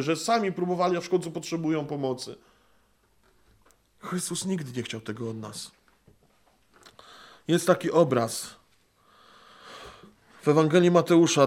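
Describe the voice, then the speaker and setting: A man preaching an earnest sermon, slowing down and softening when he quotes Christ, apparently speaking outdoors among trees. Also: fairly high pitch.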